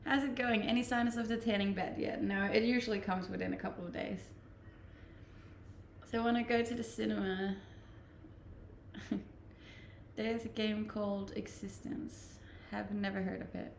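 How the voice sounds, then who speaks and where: Unhurried and creaky, with long pauses, a mid-range female voice belongs to a Danish livestreamer in her twenties. She casually reads viewer comments and laughs often in an echoey room with slight background noise.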